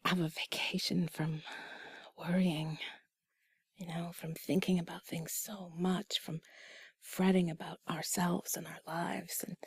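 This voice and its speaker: A woman murmurs a whispered role-play in an intimate, comforting tone. Her voice is husky and breathy, with a gravelly creak at the edges. She talks in an unhurried, conversational way, very close and dry on the microphone. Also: fairly low pitch, a little mellow, no room sound. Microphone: close microphone, dry sound.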